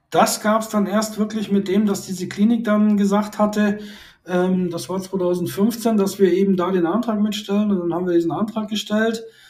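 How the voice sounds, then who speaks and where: Over noticeable background noise, a man talks at a high pitch and a moderate pace. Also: fairly even intonation. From Allgäu, Bavaria, Germany. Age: 50s. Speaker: medical cannabis patient and advisor. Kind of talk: interview.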